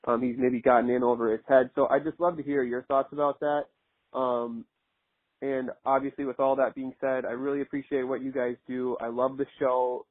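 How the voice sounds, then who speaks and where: Male caller, even monotone delivery, polite and halting, thin telephone voicemail audio. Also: medium pitch, no echo. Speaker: listener leaving a voicemail. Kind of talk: casual voicemail message. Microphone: phone. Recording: tinny phone voicemail line.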